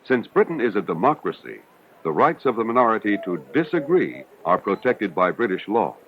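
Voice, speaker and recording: In this 1970s educational film, a male narrator speaks in a low register with animated inflection, keeping his documentary delivery formal and measured. A faint hiss runs under the muffled soundtrack.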